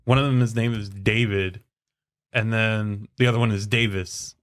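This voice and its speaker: A man's voice: lowish voice, steady tone, normal speed, fairly bright tone. Laid-back joking man in his thirties. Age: 30s. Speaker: podcast guest. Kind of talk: casual chat.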